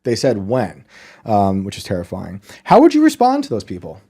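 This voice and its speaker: A man's voice: lowish voice, wildly swooping pitch, normal speed, warm tone, slightly rough. A man hosting a podcast interview, wry and joking, laughing often. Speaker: podcast host. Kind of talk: casual interview chat.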